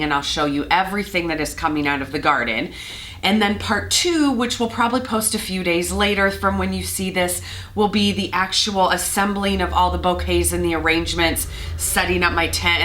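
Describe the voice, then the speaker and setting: Scratchy-voiced woman, bright tone. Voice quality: scratchy, slightly lower than usual. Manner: chatty and organized, frequent ums and uhs. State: hoarse from a cold. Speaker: flower farmer and vlogger. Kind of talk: casual vlog walkthrough.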